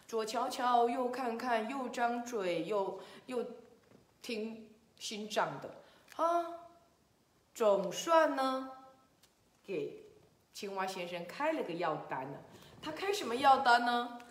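A woman telling a children's story in a gentle, playful way, chatting to a child between scenes. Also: a little high, lively intonation, takes it slowly, pauses often. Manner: gentle, playful, with soft laughs. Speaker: children's story podcast host. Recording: echoey room.

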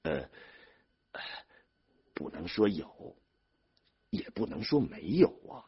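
Man voicing a weary old farmer, soft and hesitant, low quiet voice, dull audio. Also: big pitch swings, takes it slowly, slightly rough, heavily acted. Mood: resigned. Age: older. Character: weary older peasant father, resigned.

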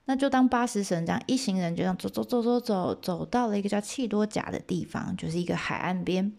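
A woman telling an old myth in a chatty, lively way with asides to her listeners. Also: medium pitch, fast talker, creaky. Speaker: storyteller. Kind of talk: casual myth storytelling.

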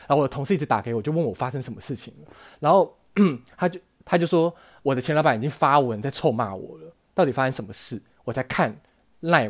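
Fast-talking man, earnest. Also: medium pitch. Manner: earnest, emotional, halting with frequent self-restarts. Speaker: podcast host telling a personal story. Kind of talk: casual storytelling monologue.

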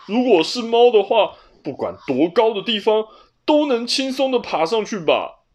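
A swaggering black tomcat from a children's picture book, voiced by a woman reading aloud. He speaks high and forceful, mocking and bossy. His voice jumps around with showy pride. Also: big pitch swings, moderate pace. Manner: mocking, domineering boasts. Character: haughty male black cat, swaggering and teasing.

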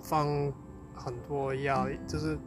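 A man's voice: mid-range voice, level tone, unhurried, over music. A man who is a non-native Mandarin speaker with a foreign accent chats casually, searching for words and repeating phrases as he goes. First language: not Mandarin, a foreign learner of it. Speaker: co-host, Chinese learner. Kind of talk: casual unscripted chat.

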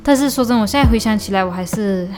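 A woman's voice: medium pitch, racing, over music. A young woman from Malaysia, telling stories in a chatty, casual podcast diary, often restarting and mixing in English. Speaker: podcast host. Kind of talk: casual diary-style storytelling. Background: faint lo-fi beat.

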